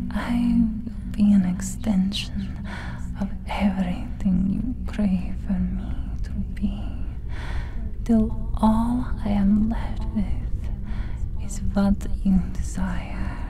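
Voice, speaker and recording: Soft-spoken whispering at a very slow pace, broken by long, frequent pauses, over noticeable background noise. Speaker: ASMR roleplay narrator. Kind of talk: hypnotic roleplay monologue. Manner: soft hypnotic whisper. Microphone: studio mic.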